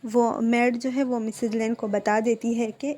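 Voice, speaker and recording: A woman narrating fan fiction in a plain, steady retelling with repeated connecting phrases. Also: on the high side, unhurried, a little hiss or hum. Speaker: storyteller.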